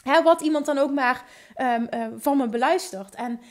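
A young woman hosts a solo podcast in a high, bright register. She speaks with a Limburg accent and an upbeat, high-energy delivery. She often trips over her words and restarts. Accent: Limburg Dutch. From Limburg, Netherlands. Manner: energetic, enthusiastic, talks fast with many restarts. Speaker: podcast host.

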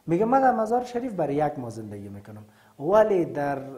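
A woman with an Afghan accent teaching an English vocabulary lesson, saying the English words slowly and clearly, then explaining them more quickly in Dari. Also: low voice, sing-song, mellow. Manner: switches between slow, drawn-out English and quick Dari explanation.

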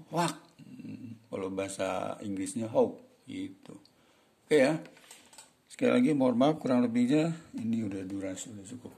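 A man's voice: lowish voice, creaky, warm tone. A middle-aged man, giving a casual, jokey spoken English lesson and mixing in example sentences. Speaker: English teacher.

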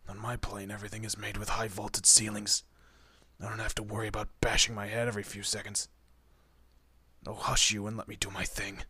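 A man plays a male monster detective in a horror audio roleplay. His voice is low and husky with a bright, forward edge. He talks casually, needling his human partner while looking out for them. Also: flat delivery, fairly quick, no room sound, heavily acted. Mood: grumbling, fond. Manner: casual, teasing, muttered asides. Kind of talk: horror roleplay audio drama, addressing the listener.

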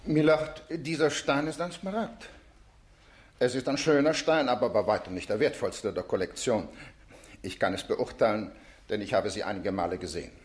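An actor playing a jeweller as expert witness in a German radio play, formal and precise. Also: male voice, mid-range voice, moderate pace, close to an everyday voice. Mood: precise, assured.

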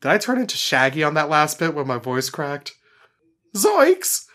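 A man's voice: on the high side, wildly swooping pitch, normal speed, heavy background noise. Casting: male game player, stammering and giggly, loose banter. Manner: stammering, giggly, self-interrupting. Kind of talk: casual banter at a recording session.

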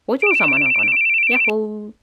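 A woman with a Kansai accent giving playful, excitable let's play commentary. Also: medium pitch, moderate pace, heavy background noise. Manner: playful, excitable, shouts at the screen. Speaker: game commentator.

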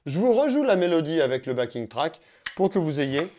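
A man's voice: on the high side, big pitch swings, brisk, a little mellow, a little hiss or hum. A man giving a live-streamed guitar lesson, thanking viewers by name in a friendly way and explaining licks as he plays. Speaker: guitar teacher. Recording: faint guitar music behind. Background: electric guitar playing.

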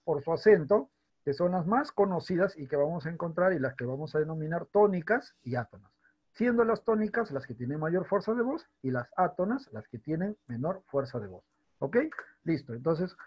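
Male teacher, husky, fairly high voice; recorded lesson, keeps asking if you're following; dull lo-fi sound. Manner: checks in often with rhetorical questions; spells out words slowly by syllable. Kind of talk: recorded online grammar lesson.

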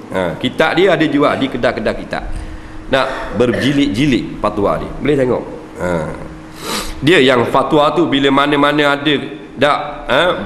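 A man's voice: mid-range voice, slight background noise. A man with a Malaysian Malay accent giving a religious lecture, joking and often checking with his listeners. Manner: lively, jokey, checks the audience with frequent 'ha', 'nah', 'nampak?'. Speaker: religious teacher. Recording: echoey hall with long reverb, faint ambience.

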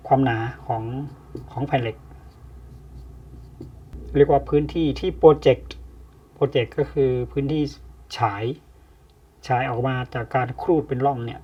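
Slow-talking man tutoring engineering, distant lo-fi sound. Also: medium pitch, steady tone. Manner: slow, explains with many pauses and fillers. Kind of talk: step-by-step lecture. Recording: distant, dull lo-fi mic.

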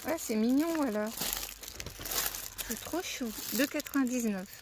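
A woman's voice: on the high side, a little slow, background noise. A woman walking through a discount store and chatting enthusiastically about the items on the shelves, with lots of fillers along the way. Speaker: shopping vlogger. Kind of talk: casual store haul walkthrough.

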